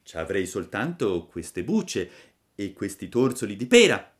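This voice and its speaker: A man voicing a patient, kindly old woodcarver who lectures gently and slowly. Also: lowish voice, sing-song. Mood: gentle.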